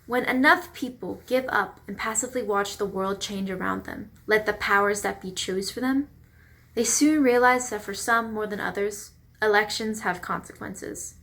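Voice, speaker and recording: A woman's voice: medium pitch, moderate pace, a bit bright, lightly acted. A woman delivering pointed, emphatic scripted narration for a readers theater piece.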